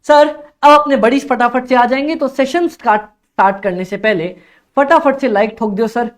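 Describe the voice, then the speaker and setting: A young accountancy exam tutor runs a live-streamed online class with energy and encouragement, repeating phrases often and reading chat comments aloud. His voice is extremely high-pitched, and he speaks at a normal speed.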